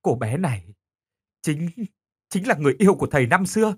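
Guy doing a guilty teacher begging, stammery, husky and lively, from a horror audiobook. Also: on the high side, a little fast, no room sound, studio quality. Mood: confessing. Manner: pleading, stammering. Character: guilt-stricken male teacher, pleading.

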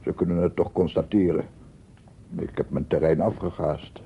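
An actor playing a paranoid, embittered amateur sound researcher in a theatrical radio drama monologue, muttering and proclaiming. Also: male voice, low voice, fairly even intonation, normal speed, vocal fry, husky, full character voice. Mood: paranoid, agitated. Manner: theatrical, muttering to himself, repeating words, swelling into proclamations. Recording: muffled narrow-band old radio recording, noisy.

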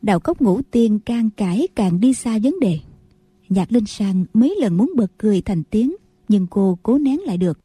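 A woman narrating a martial-arts novel as an audiobook in a steady storytelling manner. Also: mid-range voice, moderate pace, slightly rough, no room sound.

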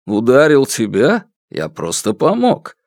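A calm old man in his sixties, voiced by a male narrator, speaks slowly and evenly, with dry, gentle irony. His voice stays mid-pitched and unhurried. The recording is close and dry. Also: no room sound, full character voice. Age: 60s. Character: calm, wry old man around sixty.

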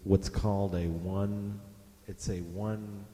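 A man's voice: on the low side, flat delivery, slow pace, warm tone. A man casually chatting and joking between music attempts, rambling a bit. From Illinois. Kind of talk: casual chat while jamming. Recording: roomy echo with long reverb. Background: faint music and drums.

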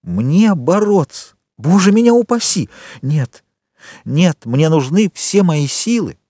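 A man's voice: on the high side, big pitch swings, slow, mellow, no room sound, studio quality, pitched above the performer's own voice, full character voice. A man voicing a proud, anguished young noblewoman, in a raised, pleading tone. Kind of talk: audiobook narration.

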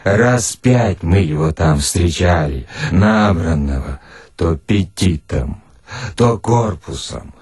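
Male narrator, theatrical storytelling, lowish pitch, unhurried delivery, expressive, deliberate pauses. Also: husky, no room sound, clean studio sound. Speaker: narrator and actor. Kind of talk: theatrical first-person storytelling.

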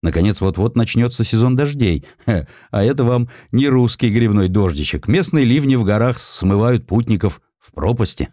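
Man voicing a lively, sardonic young officer. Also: fairly low pitch, moderate pace, no room sound, clean studio sound, pitched above the performer's own voice, lightly acted. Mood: emphatic, sardonic. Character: spirited, sardonic young male army officer. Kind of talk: dramatized audiobook dialogue.

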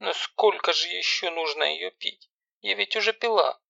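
A sick young woman whimpers and pleads in a high, wavering voice, as a male reader puts her on. The tone is thin and tearful, and the dull lo-fi recording sounds dry and close. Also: steady tone, normal speed, gravelly, bright, forceful tone, dry recording, exaggerated voice. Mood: tearful pleading.

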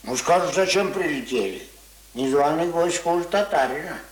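A man's voice: fairly high pitch, lively intonation, moderate pace, lightly acted. An actor in a radio play voicing a grumbling, stubborn old village man with sarcastic, rustic speech. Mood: mocking, skeptical. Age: older. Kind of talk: radio play acting of rural folk dialogue. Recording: roomy, echoing radio drama recording.

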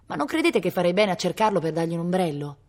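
A woman reading as an anxious young boy, his voice lifted higher and louder than hers. He asks eager, worried questions. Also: big pitch swings, quick pace.

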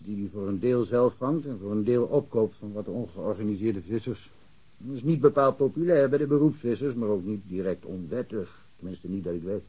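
A man's voice: lowish voice, dark tone, breathy edge, poor audio. An actor playing a talkative, blunt village policeman who speaks colloquially and with confidence in a naturalistic radio drama. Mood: matter-of-fact, gossipy. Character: chatty, blunt village policeman, worldly-wise and sure of himself.

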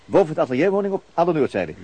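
A man's voice: fairly high pitch, very animated, rapid-fire, dark tone, breathy edge. A man acting a determined, stoic, terse policeman in a Dutch radio drama. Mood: resolute.

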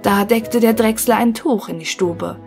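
A woman's voice: a little high, a little slow, a little mellow. Woman narrating a fairy tale. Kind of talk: fairy tale audiobook reading. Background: faint music.

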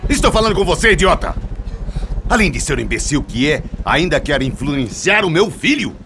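An arrogant, wealthy brute in a radio soap opera. His fairly high voice swings widely as he sneers insults. Music plays prominently behind him in a long reverb. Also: sing-song, normal speed, creaky. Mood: furious. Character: furious, arrogant wealthy man, a bullying brute.

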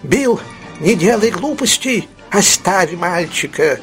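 Shrill wailing old miser. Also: male voice, big pitch swings, very slow, fairly bright tone, soft background music, exaggerated voice. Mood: panicked. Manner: wailing, panicky cries. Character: shrill frantic old male fence, miserly.

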